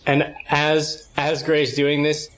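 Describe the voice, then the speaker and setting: A man's voice: fairly high pitch, completely flat delivery, slow pace, a bit bright, a little hiss or hum, rough recording. A man playing a tabletop game, casually describing his character and often stopping to search for words.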